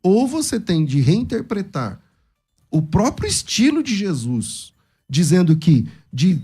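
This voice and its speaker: Guy debating scripture, pushy, a bit husky, lively pitch. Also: slow, faint music behind. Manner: emphatic, argumentative, acts out quoted speech. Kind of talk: theological debate.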